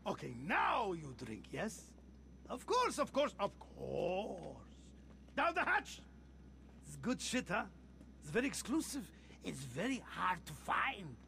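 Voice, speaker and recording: An actor playing a pompous, jovial, middle-aged rich car collector with an Arab accent and a theatrical manner in a video game. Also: male voice, high voice, takes it slowly, gravelly, slight background noise, exaggerated voice. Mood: exuberant. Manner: theatrical, grandiose, animated. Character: flamboyant wealthy car collector, male, pompous, jovial, bossy older cousin. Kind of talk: video game cutscene acting.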